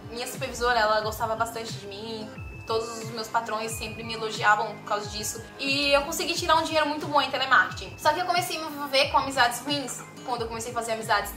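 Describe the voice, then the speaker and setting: Bright, quick young Bahian woman. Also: on the high side, echoey room. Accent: softened Bahian Portuguese. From Bahia, Brazil. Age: young adult. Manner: emotional, confiding, talks straight to viewers. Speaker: vlogger. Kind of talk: personal life story vlog.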